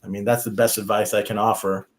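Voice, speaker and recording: A man's voice: fairly low pitch, little pitch movement, fast. A man from the United States, an immigration attorney giving practical advice on a talk show, often restarting his sentences. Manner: practical, repeats himself when starting sentences.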